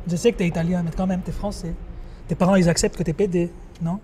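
A proud, defiant trans woman working the streets, acted by a man in a low-budget film scene. She talks bluntly and a bit tough, in a mellow, dark voice. Faint street noise sits under the voice. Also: fairly even intonation, fast talker, natural voice.

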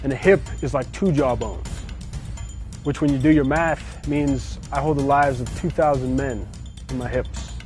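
A man in his forties, a martial arts instructor, talking in a pompous, self-serious deadpan in a large indoor dojo. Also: mid-range voice, normal speed, soft background music. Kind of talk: deadpan mockumentary comedy.

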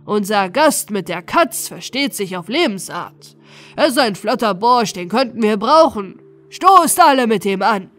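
A woman voicing a boisterous, commanding male robber captain in a storybook reading, hearty and loud. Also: medium pitch, expressive, unhurried. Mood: boisterous, rousing. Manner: loud, jovial, commanding exclamations. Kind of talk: storybook character voice in an audiobook.

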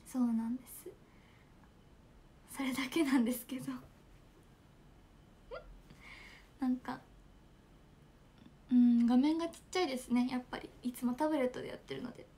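Giggly high-voiced young woman streamer. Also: moderate pace, pauses often, dark tone. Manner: giggly, chatty, reads fan comments. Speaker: idol livestreamer. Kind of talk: casual livestream chat. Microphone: smartphone.

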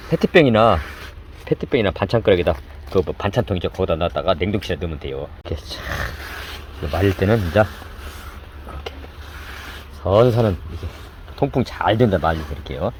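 A man's voice: low-pitched, a little mellow, low-quality recording. A male cooking channel host giving a hands-on demonstration, repeating each step aloud as he works. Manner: repetitive running commentary while working, chanting instructions. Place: indoors with downpour outside. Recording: heavy rain noise behind the voice.

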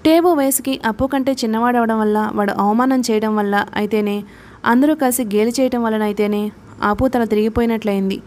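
Woman, audiobook narrator, higher voice, steady even reading. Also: fairly quick. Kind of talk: scripted narration.

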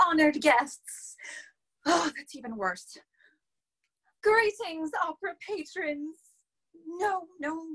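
A woman's voice: very high voice, a bit bright, heavily acted. Woman playing a flustered, swooping young opera performer. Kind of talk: virtual staged reading. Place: plain room, video call.

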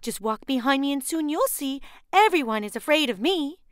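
A woman's voice: high-pitched, animated, normal speed, no room sound, studio quality, pitched above the performer's own voice. A woman voicing a small, bold storybook mouse with an emphatic, boastful manner. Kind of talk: children's book character reading.

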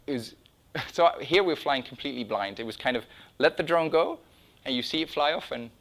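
A middle-aged man presents to a room in an informal, conversational way. His voice sits at a medium pitch, and he often breaks off and rephrases as he explains his work. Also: brisk, a bit bright. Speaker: speaker presenting his own drone project. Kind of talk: informal conference-style talk with slides. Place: indoor meeting room or small lecture room.

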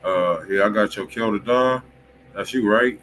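Male American livestream host, low voice, casual and slangy, clear background noise behind him. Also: moderate pace, a bit bright. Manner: slangy, peppered with "bro" and filler repeats. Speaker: host of a music review livestream.

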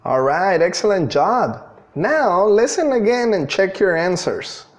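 Slow, high-pitched male English teacher. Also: lively intonation. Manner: deliberate, instructional, emphasising key words. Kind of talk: online grammar lesson, explanatory. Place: small indoor room.

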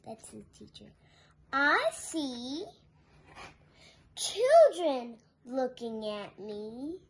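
A young girl reading a picture book aloud to small children in a singsong way, with softer asides. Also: high-pitched, rough recording. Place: living room sofa at home. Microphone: phone held nearby. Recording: home phone recording with background noise.

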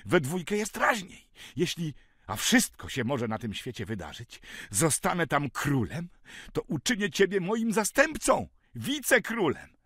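A man voicing an excitable, dreamy male villager who talks eagerly and grandly of a great journey. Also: mid-range voice, normal speed, no room sound, clean studio sound. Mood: excited. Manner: eager, grandiose, raising his voice.

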